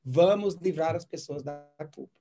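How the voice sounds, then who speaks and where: A man's voice: on the high side, moderate pace, warm tone, soft background music. A man working as a doctor, telling a patient's story in casual conversation and acting out the dialogue. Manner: recounts cases and acts out the dialogue.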